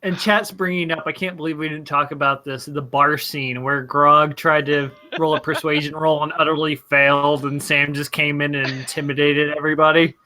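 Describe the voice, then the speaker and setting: Bright-voiced man steering a fan chat. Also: a little high, level tone, normal speed, few pauses. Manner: steers the talk, reads out chat suggestions. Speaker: podcast co-host. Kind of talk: casual chat hosting a live recap.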